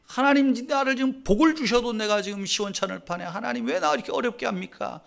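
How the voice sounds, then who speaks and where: Gravelly high-voiced preacher, loud then whispering. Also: male voice, fast talker. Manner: swings from loud proclaiming to hushed whispers; conversational, asks the congregation questions. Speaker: pastor. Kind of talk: sermon.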